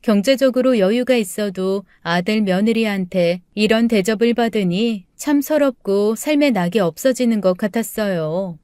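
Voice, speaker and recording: A woman narrating a first-person story in a calm, steady reading voice. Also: mid-range voice, normal speed, few pauses, clean tone, dry recording, clean studio sound.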